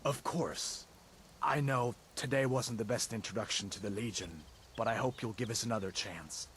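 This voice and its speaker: Low-voiced earnest soldier. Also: male voice, moderate pace, a bit bright, a little hiss or hum. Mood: earnest, reassuring. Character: urgent, earnest male imperial soldier. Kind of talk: scripted fantasy game dialogue.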